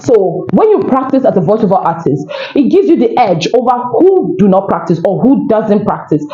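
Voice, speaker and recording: A woman's voice: medium pitch, sing-song, normal speed, mellow. A woman with a Nigerian accent, a voiceover coach teaching to camera in an earnest, encouraging way, repeating her points. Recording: roomy, dull lo-fi sound.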